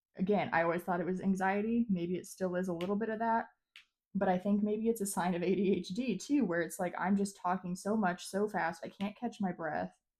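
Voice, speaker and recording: A woman talks at a fairly quick pace in a plain, everyday voice. Her pitch is medium and her intonation fairly even. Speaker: hobby video creator. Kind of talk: casual chat.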